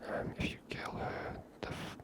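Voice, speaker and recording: A woman hosting an ASMR gaming series, giving casual, unscripted commentary in a breathy whisper. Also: normal speed.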